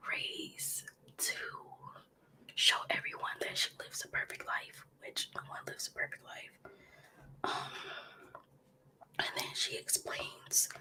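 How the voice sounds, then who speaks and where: A woman, whispering her commentary on a livestream close to the mic, sniffling from a cold. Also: low-quality recording. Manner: soft whisper with frequent ums and likes. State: getting over a cold, sniffling. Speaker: ASMR livestream host. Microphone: close ASMR microphone.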